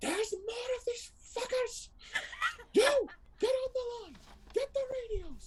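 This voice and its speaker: This is a put-on character voice, shouting at an extremely high pitch. It moves at a fairly slow pace with long, frequent pauses. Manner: shouting, urgent.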